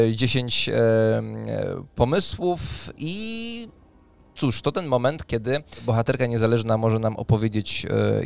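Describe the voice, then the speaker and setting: A man in his thirties hosting a talk on tabletop games, speaking haltingly into a close microphone. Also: on the low side, gravelly, a little mellow. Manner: halting, hesitant delivery with drawn pauses. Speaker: podcast host. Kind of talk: conversational presentation of tabletop RPG ideas. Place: small dim room indoors, on video call. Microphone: close studio microphone on arm, headphones.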